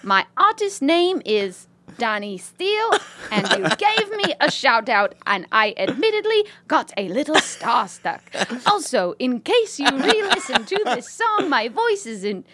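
A woman's voice: high voice, big pitch swings, measured pace, a bit bright, no echo. A woman co-hosting a podcast in a casual chat, reading a listener letter aloud and laughing often. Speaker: podcast host.

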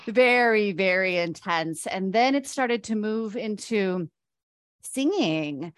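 A woman's voice: mid-range voice, animated, slow pace, clear, resonant tone, no room sound, studio quality. A middle-aged woman co-hosting a podcast, sharing a personal story earnestly with lots of fillers. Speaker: podcast co-host. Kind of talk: casual chat.

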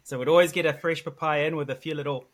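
A man's voice: fairly high pitch, steady tone, fast. A man from South Africa with a South African accent, hosting a conversational interview in an effusive, encouraging way. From South Africa, east coast. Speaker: interview host.

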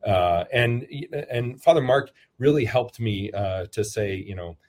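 A man with a low voice, a priest and football chaplain, answering interview questions in a rambling, self-deprecating way with many fillers. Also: unhurried. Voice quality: lower voice.

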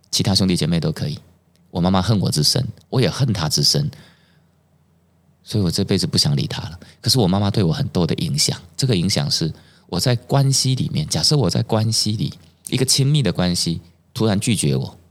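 Man, Taiwanese Mandarin accent, very deep voice, middle-aged, lively storyteller voicing each quoted line. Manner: animated storyteller who acts out quoted dialogue. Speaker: podcast guest. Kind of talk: personal storytelling in conversation.

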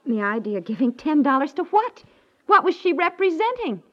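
A woman's voice: high voice, very animated, brisk. An American woman playing a sweet but nagging wife in a naturalistic 1950s radio comedy, coaxing and hesitant, full of endearments. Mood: annoyed, reproachful. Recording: dull vintage 1950s radio recording.

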